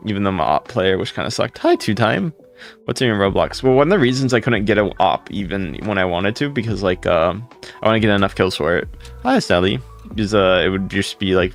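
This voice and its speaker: A man with a deep voice chatting casually on a livestream, rambling and greeting viewers by name. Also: animated, a little fast, soft background music.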